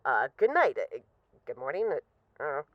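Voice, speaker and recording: A woman's voice: deep voice, big pitch swings, brisk, no echo, muffled recording. A woman acting as a bored, restless mafia boss who misses a partner, talking in a wry, dramatic, rambling way in an intimate voice-message roleplay. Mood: sleepy, awkward.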